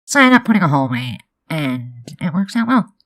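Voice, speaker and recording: A woman's voice: low-pitched, big pitch swings, a little fast, fairly bright tone. A young woman with a nasal, stuffed-up voice from allergies, chatting loosely with lots of fillers over a game building video. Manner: rambling, chatty, many fillers. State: congested from allergies. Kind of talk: casual speed build voice-over.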